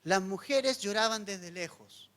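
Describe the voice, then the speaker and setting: A man preaching a sermon as pastor, telling the story dramatically with wide swings between loud emphasis and hushed lines. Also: high-pitched, measured pace. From Chile.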